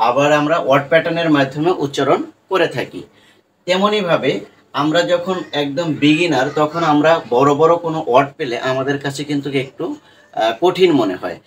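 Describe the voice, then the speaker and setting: A man teaching English pronunciation in an online lesson, patiently breaking long words into parts and repeating them slowly. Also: fairly high pitch, a little hiss or hum, low-quality recording.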